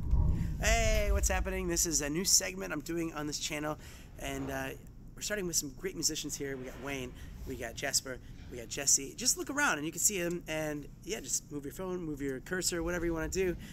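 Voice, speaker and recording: Light background noise sits under a man speaking at a fairly quick pace. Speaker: channel host. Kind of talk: casual vlog chat. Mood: relaxed, friendly. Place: hall. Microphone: camera far.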